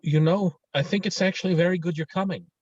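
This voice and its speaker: A man's voice: sits high, steady tone, quick pace, a little mellow, dry recording. A man acting a friendly, earnest young Swede in a script table read, hesitant and searching for words. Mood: earnest, sympathetic. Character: friendly, mock-menacing young Swedish man, earnest and sensitive. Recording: dull, lo-fi video-call audio.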